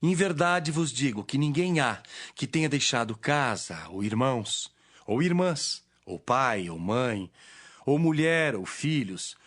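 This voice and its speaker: Man acting grave authoritative teacher, declamatory, Bible drama, mid pitch, animated melody. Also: slow pace. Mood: earnest, solemn.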